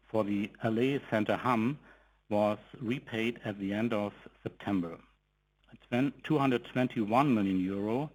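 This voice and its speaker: A man giving a formal, measured corporate presentation, reading from a script in short phrases as an executive on an investor call. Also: lowish voice, rough recording. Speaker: company executive presenting financial results.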